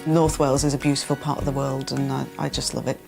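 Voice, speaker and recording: Woman, middle-aged, low voice, chatty and relaxed, casual interview, background music. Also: quick pace, gravelly. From Liverpool, England. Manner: chatty, relaxed, some hesitations. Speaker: house buyer.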